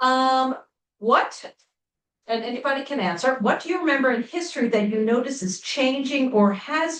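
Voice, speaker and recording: At a moderate pace, a woman uses an ordinary speaking voice with lively intonation. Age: 60s. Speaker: panel moderator. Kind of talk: panel discussion.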